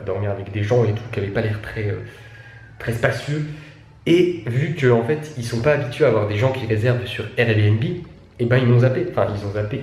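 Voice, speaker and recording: A man's voice: medium pitch, darkish tone, a little hiss or hum. A young man chatting casually and informally to a travel vlog audience in offhand, slangy speech. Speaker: travel vlogger.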